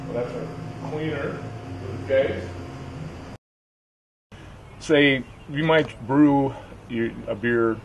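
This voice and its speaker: A man's voice: mid-range voice, drawn-out words, pauses often. A middle-aged man with an American accent gives a casual, folksy explanation as a brewery owner showing visitors around. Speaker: brewery owner giving a tour. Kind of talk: casual explanatory tour talk. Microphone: camera a few feet away. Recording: echoey rooms, distant camera mic, noisy hum.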